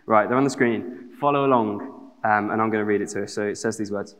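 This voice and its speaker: A man's voice: lowish voice, quick pace. A young man with a Black Country accent from the West Midlands, reading scripture and then telling chatty, self-deprecating stories in a sermon. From West Midlands, England. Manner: chatty, self-deprecating humour with many fillers. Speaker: preacher. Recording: long hall reverb.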